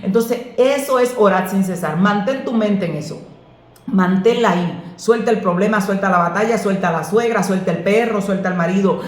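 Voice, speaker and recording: A woman pastor, answering questions about prayer in an earnest, preacherly way that slips into lively storytelling. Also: medium pitch, normal speed. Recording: echoey room.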